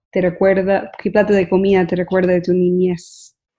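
A woman with an American accent, medium pitch and a fairly slow pace. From United States. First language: English (speaking Spanish). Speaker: podcast co-host. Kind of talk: interview.

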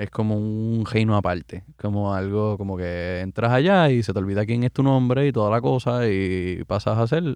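A man with an unremarkable speaking voice talks at a moderate pace in a fairly low pitch, with ordinary pitch variation against a quiet background. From Puerto Rico, Yauco (south). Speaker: podcast co-host. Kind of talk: casual chat.

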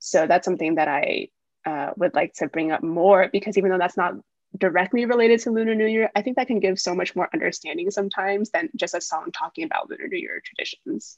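In a Shanghai accent, a woman of medium pitch speaks very fast with very wide pitch swings, the sound dry and close with no echo. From Brooklyn, New York. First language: Shanghainese. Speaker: music teacher, pianist. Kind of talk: casual interview chat.

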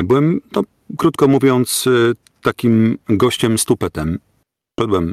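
Very slow and broken by long, frequent pauses, a man's medium-pitched voice swings very widely in pitch, with a dry, close sound and no echo. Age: 50s. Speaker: voice-over narrator. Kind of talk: casual chat.

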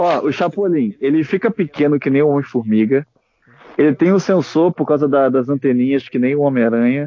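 A man talks in a normal speaking voice at a fairly quick pace, with fairly high pitch. His loudness is very even and his pitch variation ordinary. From Rio de Janeiro, Brazil. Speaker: pop culture podcast panelist. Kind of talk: casual chat.

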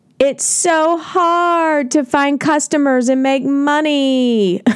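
A woman's put-on character voice, high-pitched and whiny, with a whiny tone, ordinary pitch variation and a very slow pace.

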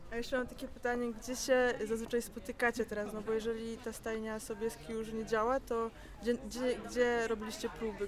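Her fairly high voice stays monotone and flat throughout. The woman speaks at a fairly quick pace over music in the background. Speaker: radio interviewer. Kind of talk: casual interview. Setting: crowded club venue.

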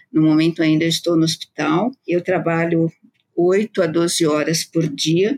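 In a dry, close recording with no echo, a woman talks at a fairly slow pace in an unremarkable speaking voice, fairly low in pitch, with fairly even intonation and very even loudness. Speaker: nursing director. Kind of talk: casual chat.

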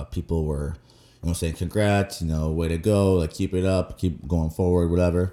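A man with a very deep, low pitch and a dark, mellow tone speaks at a moderate pace with fairly even intonation and very even loudness. The recording is very clean, with a silent background. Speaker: podcast co-host, coach. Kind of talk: casual chat, podcast interview.

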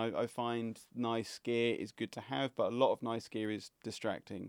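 In a southern English accent, a man of medium pitch speaks at a moderate pace with fairly even intonation, the sound dry and close with no echo. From England, Bedford. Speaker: recording engineer and producer. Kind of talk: casual interview. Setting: recording studio.

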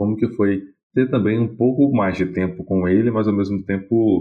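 With ordinary pitch variation and a fairly quick pace, a man talks in an ordinary speaking voice. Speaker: podcast host. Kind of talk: casual interview.

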